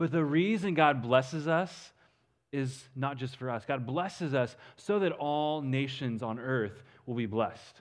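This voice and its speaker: In a quiet background, a man speaks at a fairly slow pace with a fairly high pitch. He has an unremarkable speaking voice with ordinary pitch variation. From western Kansas. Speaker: missions mobilizer, guest speaker. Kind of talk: sermon. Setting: church.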